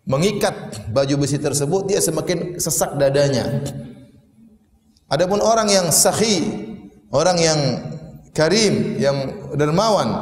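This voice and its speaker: A man with a fairly high voice delivers an animated sermon. His pitch leaps when he tells a joke or acts out a story. The recording rings with a long, roomy reverb. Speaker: Islamic preacher. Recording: echoey hall with long reverb.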